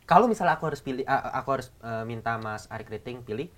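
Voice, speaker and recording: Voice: medium pitch, lively intonation, racing, fairly bright tone. A host of a film talk show asking curious questions and answering with short agreements. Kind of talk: casual interview.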